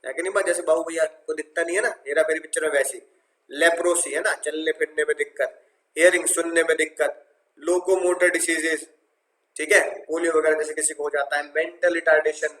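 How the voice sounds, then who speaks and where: Bright-voiced man teaching tax. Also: fairly high pitch, fairly even intonation, fairly quick, roomy sound, low-quality recording. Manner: asks himself questions and answers as the students; many "है ना" and "right" check-ins. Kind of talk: lively lecture with stories and call-and-response.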